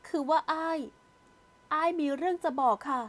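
Woman doing a teary young woman begging, high voice, audio novel. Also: moderate pace, natural voice. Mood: anxious. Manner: pleading, urgent. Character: tearful pregnant young woman pleading.

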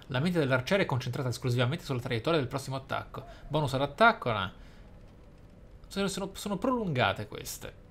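A man's voice: fairly high pitch, creaky, fairly bright tone, a little hiss or hum. A man giving video game commentary in wordy, formal phrasing. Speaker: video game let's player. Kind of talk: game commentary, reading skill descriptions aloud.

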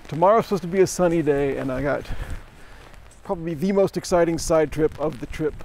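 A middle-aged man chats to the camera he holds at arm's length while he walks. His voice sits a bit high and carries a gravelly edge, with wry asides to the viewer. Faint outdoor sound lies beneath him. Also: a little fast, a little mellow, a little hiss or hum. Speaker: travel vlogger. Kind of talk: casual walking vlog narration. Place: outdoors on rainy town streets and inside a shop. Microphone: handheld camera at arm's length.

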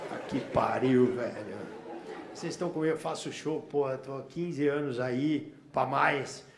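Stand-up comic from Brazil, crude and slangy, acts out every line of dialogue; live stage mic in a roomy hall with audience noise. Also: male voice, mid-range voice, unhurried, a loud crowd. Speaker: stand-up comedian. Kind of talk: stand-up storytelling. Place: comedy stage before a laughing audience.

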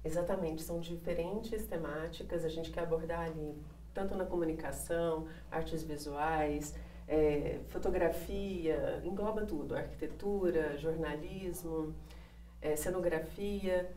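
A woman in her thirties from Brazil, a project coordinator interviewed in a TV studio, speaking haltingly, repeating words and listing items. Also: sits low, fairly even intonation, mellow, roomy sound, a little hiss or hum. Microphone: lapel mic.

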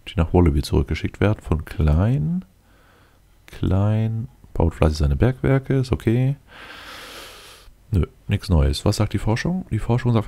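A man's voice: fairly low pitch, gravelly, mellow. A man giving casual, improvised game commentary, thinking aloud and muttering to himself in a matter-of-fact way. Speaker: let's play video host.

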